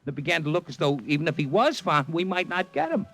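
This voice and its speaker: An actor playing a slangy, excitable Hollywood talent agent in a 1940s radio drama, narrating and chasing. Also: male voice, fairly high pitch, fast, gravelly, full character voice. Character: brash fast-talking Hollywood agent. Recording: old radio drama with music.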